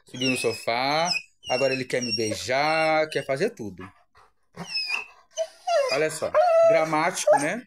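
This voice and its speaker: Lively Brazilian man vlogging at home. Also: mid-range voice, unhurried, pauses often, heavy background noise. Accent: Brazilian Portuguese. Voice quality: animated, playful narrating. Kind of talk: casual chat to viewers. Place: home living room with a sofa.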